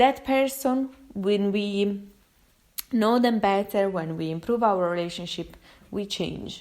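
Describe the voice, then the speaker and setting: A woman with an Italian accent speaks at a very slow pace. Her intonation is lively. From Italy. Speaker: podcast host. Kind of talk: casual monologue.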